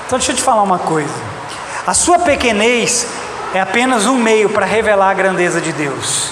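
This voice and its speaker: A Brazilian man delivers a sermon in a high-pitched, lively voice at a brisk pace, speaking emphatically, repeating his points, and addressing the congregation directly. The church hall is reverberant, and the echoey recording carries loud background noise.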